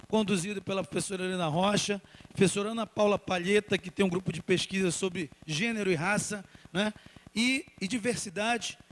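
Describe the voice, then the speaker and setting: A woman with a Brazilian Portuguese accent speaking on a conference panel, earnest and formal, often adding little tag questions. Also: mid-range voice.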